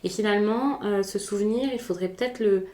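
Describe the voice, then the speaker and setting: A woman's voice: mid-range voice, fairly quick, darkish tone, reverberant. A woman giving a spontaneous, chatty tarot reading, with many hesitations and restarts. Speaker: tarot reader.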